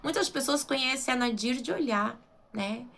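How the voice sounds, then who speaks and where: Preaching an informal Bible sermon, this Brazilian Portuguese-accented missionary keeps asking rhetorical questions and checking on her listeners in an emphatic, conversational way. Her voice sits high and a bit bright, with vocal fry, at a normal pace.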